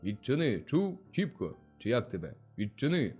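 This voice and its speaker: Man doing bossy old village chief, blustering, shouting orders, low voice, storybook reading. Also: normal speed, highs cut off, soft background music, natural voice. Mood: angry. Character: angry bossy older male village head.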